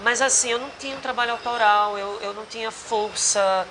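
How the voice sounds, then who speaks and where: In a bar with a noisy background, a man from Rio Grande do Norte in northeastern Brazil, who is a singer and actor, talks in a casual interview with a Potiguar accent. He's earnest and rambling with many restarts, his high voice steady and fairly quick.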